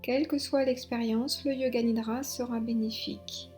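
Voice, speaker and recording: A woman guiding a yoga relaxation meditation as an instructor, giving soothing, unhurried instructions with long pauses. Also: fairly high pitch, steady tone. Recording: soft new-age music behind. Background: new-age relaxation music.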